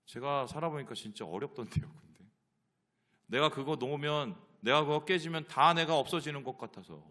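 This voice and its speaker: A man's voice: on the high side, a little fast, bright, forceful tone. A male pastor preaching a sermon, asking the congregation rhetorical questions.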